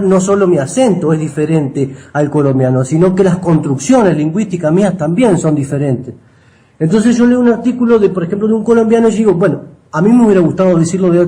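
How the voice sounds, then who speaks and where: A man's voice: high-pitched, mellow. A middle-aged man with a Rioplatense Spanish accent answering interview questions conversationally, explaining and often checking with short tag questions. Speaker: interview guest, writer and copy editor.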